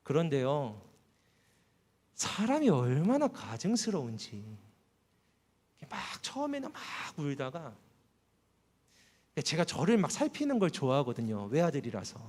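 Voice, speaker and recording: Korean pastor preaching in a reverberant hall. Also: male voice, wildly swooping pitch, unhurried, long pauses, breathy edge. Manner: storytelling, voice drops soft and low for quoted words. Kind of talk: sermon, personal testimony. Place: church hall. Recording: long church hall reverb.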